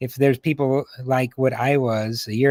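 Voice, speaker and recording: With an American accent, the voice keeps fairly even intonation in a dry, close sound with no echo. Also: man. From Indiana, US Midwest. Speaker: farmer and YouTuber. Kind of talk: casual interview chat. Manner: rambling, halting.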